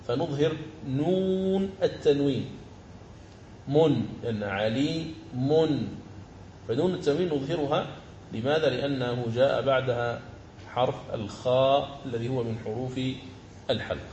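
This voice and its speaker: A man teaching the rules of Quran recitation, explaining each rule and then slowly chanting verse examples. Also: mid-range voice, darkish tone, roomy sound, slight background noise. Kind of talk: tajweed lesson with chanted examples.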